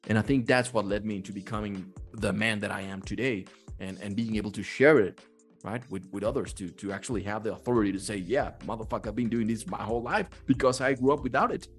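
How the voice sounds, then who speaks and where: A man's voice: on the low side, fast. A man hosting a casual motivational chat, talking bluntly and swearing freely. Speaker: host of a talk on manhood. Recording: music behind the voice. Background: music.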